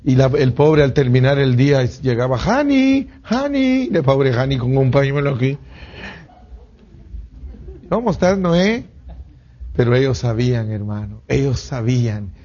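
A man preaching a sermon in an animated way, swinging between loud bursts and hushed asides. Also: mid-range voice, moderate pace, hardly any pauses. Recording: dull lo-fi recording.

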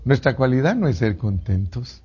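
A man preaching a sermon in an animated way, swinging between loud bursts and hushed asides. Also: medium pitch, moderate pace, breathy edge. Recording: dull lo-fi recording.

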